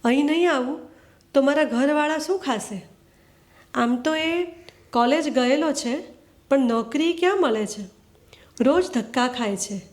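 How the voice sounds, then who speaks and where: A despairing young working wife in a storybook, read by a woman, pleading plainly with the one person she trusts. The voice sits high and bright. The delivery stays simple and earnest rather than theatrical. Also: measured pace, long pauses.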